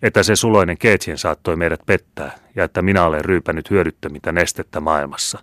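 A man's voice: low-pitched, fairly bright tone, no room sound, clean studio sound. A man voicing a stout, blustering old army captain who curses and grumbles. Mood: outraged. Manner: gruff, cursing, boisterous.

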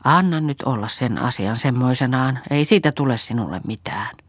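A woman's voice: very deep voice, animated, husky, no room sound, exaggerated voice. A woman doing a fussing, coaxing farmwife. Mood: coaxing worry. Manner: coaxing, soothing, half-whispered urging.

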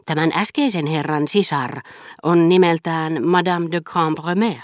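A woman's voice: sits low, fairly even intonation, dry recording, studio quality, pitched above the performer's own voice, lightly acted. A woman voicing an elderly aristocratic marquise who speaks curtly and dismissively in an audiobook. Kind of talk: audiobook character reading.

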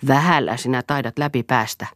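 A woman's voice: a bass voice, fairly bright tone, no room sound, studio quality. A woman reading a sneering bitter husband. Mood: scornful. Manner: sneering, provoking. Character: bitter, scornful middle-aged husband.

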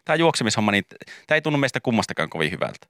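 A man's voice: lowish voice, big pitch swings, fairly bright tone, dry recording. A man co-hosting a radio show in a studio, chatting casually and teasing his co-host. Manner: teasing, joking. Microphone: studio microphone.

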